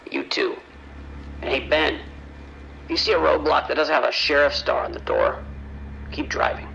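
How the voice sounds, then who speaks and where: A man playing a tense, grim deputy in a horror radio play. His voice is fairly high and heavily creaky, terse and guarded over a muffled police radio. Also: very animated, moderate pace, sharp tone, slight background noise, heavily acted. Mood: grim, confiding. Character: weary, tense, guarded male county sheriff's deputy dispatcher. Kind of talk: horror audio drama radio acting.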